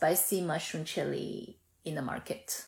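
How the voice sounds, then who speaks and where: A woman with a Chinese accent speaks at a fairly slow pace. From China, Chongqing. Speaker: food entrepreneur. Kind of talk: interview.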